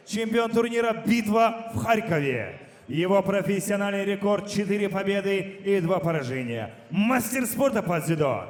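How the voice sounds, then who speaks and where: A man working as a ring announcer, booming out fighter introductions in a declamatory way and stretching names into long shouts. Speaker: ring announcer at an MMA event. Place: large indoor fight venue, over a PA. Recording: echoey hall with long reverb.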